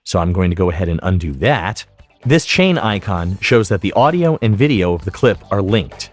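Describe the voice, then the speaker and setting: A man narrating a software tutorial as an instructor, explaining each step methodically. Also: sits low, sing-song, normal speed. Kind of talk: instructional screen-recording narration.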